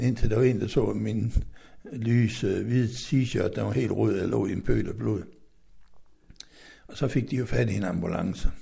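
A middle-aged man from western Denmark, an interview guest telling his life story in a rambling, halting way with many fillers and restarts. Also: fairly low pitch, gravelly, warm tone, breathy edge.

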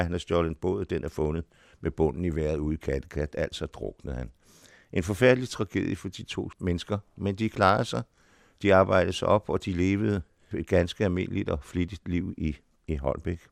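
An older man with a very low, gravelly voice tells stories from his past in an interview, unhurried and full of small restarts. He sounds close and dry, with no room around him. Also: dry recording. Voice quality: deep voice. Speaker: actor, interview guest. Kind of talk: reminiscing in an interview.

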